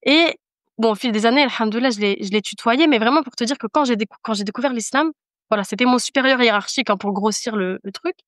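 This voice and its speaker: A woman's voice: fairly high pitch, fast, a bit bright, no echo, studio quality. A woman speaking as a podcast guest in casual conversation, giving an earnest, emphatic personal testimony and repeating phrases for emphasis.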